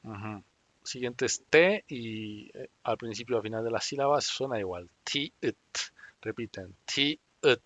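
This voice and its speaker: A male teacher leads an online beginner class at a middle pitch. He speaks patiently, spelling out sounds one by one and asking students to repeat after him. His voice comes through a video-call mic. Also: unhurried, fairly bright tone. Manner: patient, drills pronunciation and has students repeat. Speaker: Korean language teacher.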